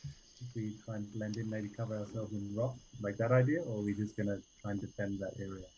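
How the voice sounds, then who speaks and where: A man's voice: fairly low pitch, fairly even intonation, a little fast, warm tone, a little hiss or hum, low-quality recording. A man playing a tabletop game who talks bluntly and swears freely. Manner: blunt, profane. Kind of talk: casual game chat.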